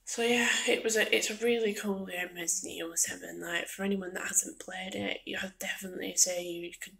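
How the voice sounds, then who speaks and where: A woman rambling softly in an ASMR style, hesitant and at times slipping toward a whisper. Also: mid-range voice, steady tone, fairly quick, vocal fry. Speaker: gaming and ASMR video creator. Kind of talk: soft-spoken ASMR ramble.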